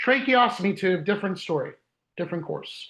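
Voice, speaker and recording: Loud and high-pitched, a man talks with lively intonation in an American accent. The background is quiet. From US, New York City. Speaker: speech language pathologist, lecturer. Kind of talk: lecture.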